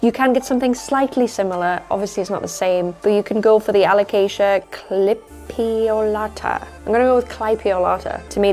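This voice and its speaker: This medium-pitched, darkish-toned voice belongs to a plant vlogger who is losing her voice. Indoors at home, she rambles chattily to her viewers about her plants, often correcting herself.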